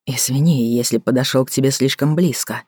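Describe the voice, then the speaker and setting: A woman narrator voicing a calm, restrained man who speaks quietly and in a measured way. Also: extremely low pitch, husky, no echo, studio quality. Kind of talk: audiobook character voicing.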